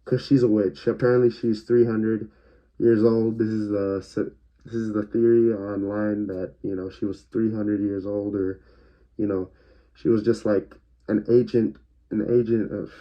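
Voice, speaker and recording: A man's voice: on the low side, flat delivery, a little slow. A man giving a casual spoken movie review, hesitant and stuttering, with many fillers. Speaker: film reviewer. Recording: dull lo-fi recording.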